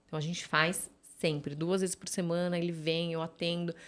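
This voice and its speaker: A woman's voice: lowish voice, flat delivery, normal speed. A woman, a physiotherapist chatting as a podcast guest, storytelling with lots of fillers and tag questions. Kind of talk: casual podcast conversation.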